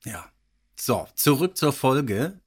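Husky male podcast host, medium pitch. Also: very animated, takes it slowly. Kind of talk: casual podcast moderation.

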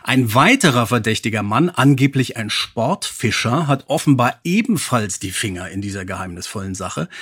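A man's voice: mid-range voice, husky. A man hosting a podcast, presenting and reading prepared text in a polished way. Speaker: podcast host.

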